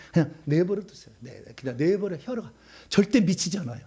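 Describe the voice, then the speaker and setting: A Korean man, a pastor, teaching a charismatic prayer meeting with animated, emphatic, folksy explanations. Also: fairly high pitch, slightly rough. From South Korea.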